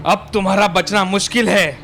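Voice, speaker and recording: A woman voicing a menacing male ghost corpse that taunts with booming laughs in a storybook tale. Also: fairly even intonation, moderate pace, fairly bright tone, natural voice. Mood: taunting.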